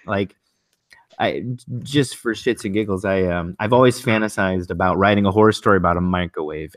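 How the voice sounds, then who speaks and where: A low-pitched man joking around in a casual podcast talk. His voice is close and dry, with no room sound. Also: a bit bright, dry recording.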